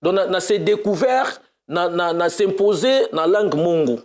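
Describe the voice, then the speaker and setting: A man from Kinshasa, a music animateur talking casually in an interview, mixing Lingala and French in a lively way. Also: sits high, normal speed. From Congo (Kinshasa). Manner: mixes Lingala and French, lively, bursts into chanted cries.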